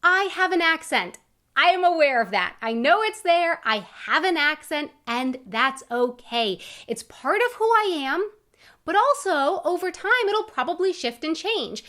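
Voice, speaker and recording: A high-pitched American woman in her thirties addresses her vlog audience directly. She talks in an earnest, encouraging way, stressing her main points with lively emphasis. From United States. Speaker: vlogger. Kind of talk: earnest personal vlog talk.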